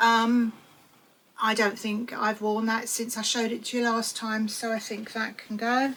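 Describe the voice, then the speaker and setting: Speaking at a moderate pace with an English accent, a woman has a fairly high voice. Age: 70s. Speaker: lifestyle vlogger. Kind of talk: casual chat. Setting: at home. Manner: hesitant, many fillers.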